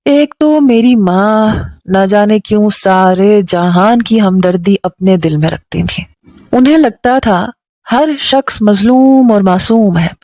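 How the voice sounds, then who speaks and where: Woman storyteller, scripted first-person narration, mellow, dry close mic. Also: mid-range voice, takes it slowly, dry recording.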